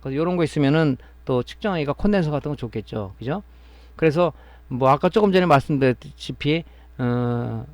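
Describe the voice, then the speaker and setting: A man's voice: medium pitch, dry recording. A man teaching electronics repair in a step-by-step classroom style, often checking with his listeners as he explains. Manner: explaining step by step, often adding a tag question to check understanding. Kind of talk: classroom-style technical lecture.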